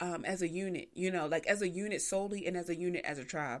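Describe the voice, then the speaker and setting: The delivery is animated and fairly quick, with an American accent. The recording is very clean, with a silent background. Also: woman. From Maryland, US. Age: 20s. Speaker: podcast host. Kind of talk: personal monologue, casual and confessional. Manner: halting, repeats words.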